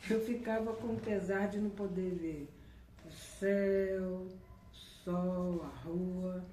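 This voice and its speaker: Talking at a very slow pace, a woman is heard with audible room echo and noticeable background noise. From Brazil, Volta Redonda, Rio de Janeiro state. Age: 60s. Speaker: blind woman sharing her life story. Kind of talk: interview testimony.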